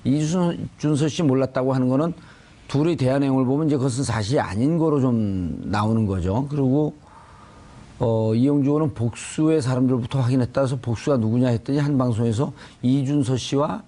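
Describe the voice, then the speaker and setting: A man's voice: medium pitch, a little fast, warm tone. A man hosting a political news panel, putting pointed questions to the guests. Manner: probing, poses pointed questions. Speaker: host.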